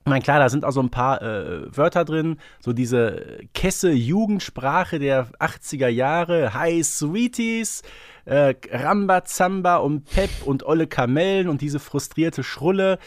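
A man's voice: fairly high pitch, animated, measured pace, dry recording. A man co-hosting a podcast, talking casually and analytically, wordy and thinking aloud as he goes. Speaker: podcast co-host. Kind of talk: casual fan discussion, analytical chat.

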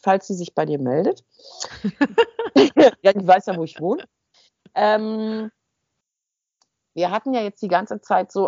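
Husky-voiced woman telling a story. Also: medium pitch, no room sound, muffled recording. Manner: lively, animated storytelling with quoted dialogue. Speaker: podcast co-host. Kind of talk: casual storytelling chat.

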